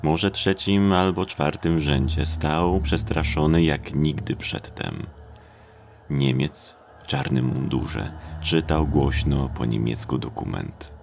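A man reads a dark audio drama as narrator. His voice is extremely deep and gravelly, and he takes his time, brooding over short phrases. Faint ambient noise sits behind him. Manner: slow, brooding delivery in short phrases with pauses. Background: atmospheric sound effects.

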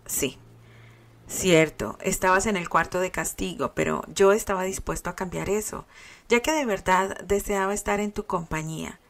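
A woman's voice: medium pitch, normal speed, natural voice. A woman reading a fan story aloud and voicing a proud, teasing young man in tender confessions.

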